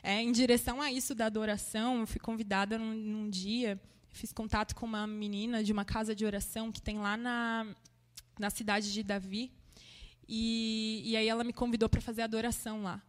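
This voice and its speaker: A woman's voice: a little high, level tone, normal speed, long reverb tail. A woman sharing a personal faith testimony in a conversational, emotional way, often tagging her sentences with little questions. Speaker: church member giving a testimony.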